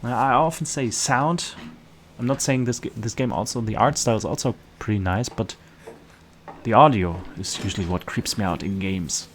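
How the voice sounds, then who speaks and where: A man's voice: lowish voice, normal speed, a little hiss or hum. A man streaming a video game, giving commentary and murmured asides as he reads along. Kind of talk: gameplay commentary, reading game text aloud.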